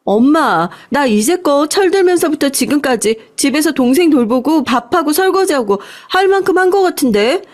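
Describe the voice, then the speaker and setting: A woman's voice: sits high, lively intonation, moderate pace, few pauses, voice pushed up. A woman voicing a fed-up, defiant daughter in her twenties, protesting in story dialogue. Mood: indignant. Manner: protesting, indignant. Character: fed-up, defiant twenty-four-year-old eldest daughter.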